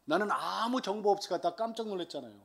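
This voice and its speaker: 서울 출신 60대 아저씨, 교회 간증, 쨍하고 밝은 목소리로 생생하게 썰 푸는 스타일. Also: male voice, high voice, quick pace, gravelly. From Seoul. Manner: lively storyteller, acts out quoted voices. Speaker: lay deacon giving testimony. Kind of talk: humorous church testimony. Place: church service.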